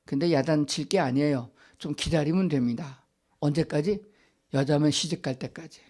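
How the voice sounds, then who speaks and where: A man's voice: fairly high pitch, moderate pace, darkish tone. An older man preaching a Sunday sermon in a church, asking the congregation questions and answering them himself. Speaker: pastor. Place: church sanctuary.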